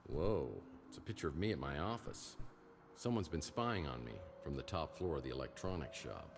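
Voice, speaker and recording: Very deep gravelly detective. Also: male voice, animated, moderate pace. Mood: suspicious. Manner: wry, musing noir narration. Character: weary hard-boiled male private detective in an adventure game. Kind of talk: scripted game character monologue. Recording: game audio with loud music behind.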